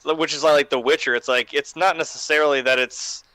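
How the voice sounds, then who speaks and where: A man's voice: a little high, steady tone, fairly quick, bright, forceful tone, smooth, no echo. A man in a casual panel discussion, talking in a rambling, discursive way. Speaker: podcast co-host or panelist.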